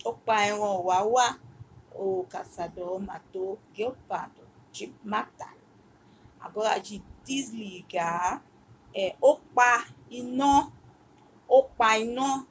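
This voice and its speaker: A woman teaching her language, speaking deliberately, repeating syllables and pausing often to search for words. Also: medium pitch, a little hiss or hum, rough recording. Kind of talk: language lesson, slow careful explanation.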